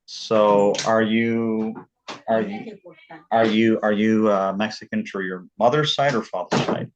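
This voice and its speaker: A man with a very low, deep voice hosts a casual interview, stumbling and repeating words as he goes. The recording sounds dull and lo-fi. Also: fairly even intonation, a little hiss or hum. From Southern California. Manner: halting, repeats words often. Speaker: podcast host.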